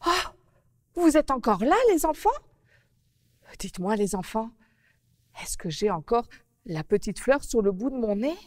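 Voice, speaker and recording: A woman's voice: a little high, expressive, measured pace, long pauses, darkish tone, dry recording, studio quality, in a large hall. A woman voicing a fretful young woman with a flower on her nose, who exclaims and stammers while speaking to the children in a children's TV story. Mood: fretful flustered.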